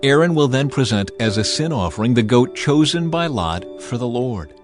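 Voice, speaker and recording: A male narrator delivers dramatized scripture over a clear musical backing. His pitch moves widely through each phrase, while the delivery stays solemn, measured and declarative. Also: expressive, over music.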